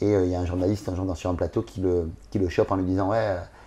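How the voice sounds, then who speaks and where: Over a quiet background, a man speaks at a very fast pace in a very deep, low pitch with ordinary pitch variation, a somewhat breathy quality, and a dark, mellow tone. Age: 40s. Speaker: online entrepreneur and trainer. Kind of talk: casual interview conversation. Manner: hesitant, with many repetitions and fillers.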